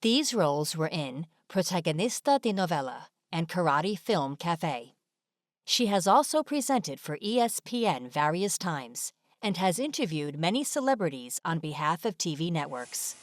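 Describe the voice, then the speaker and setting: A woman's voice: lowish voice, very animated, moderate pace, no echo, clean studio sound. A woman reading scripted narration as the presenter of an informational video. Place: dry studio voice-over.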